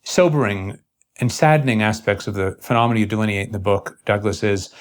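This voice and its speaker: A man interviewing in an earnest intellectual conversation, speaking in formal academic phrases with a halting, searching delivery. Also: on the low side.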